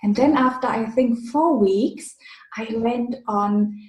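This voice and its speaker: A woman's voice: fairly high pitch, slow, darkish tone. A woman, a language teacher hosting a casual interview, giving earnest advice while thinking aloud. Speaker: language teacher and channel host. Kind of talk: casual video-call interview. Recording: roomy echo.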